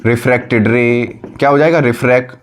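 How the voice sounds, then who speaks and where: A man teaching a physics lesson to schoolchildren, asking them questions, repeating key terms and dictating notes slowly. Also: mid-range voice, fairly even intonation. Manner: calls students "बेटा", "बच्चों". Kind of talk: classroom lesson.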